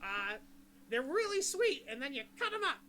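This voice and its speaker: A woman's voice: high-pitched, sing-song, moderate pace, sharp tone, a little hiss or hum, pitched above the performer's own voice, full character voice. A woman doing a laid-back drawling bartender. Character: laid-back tavern bartender, sly man.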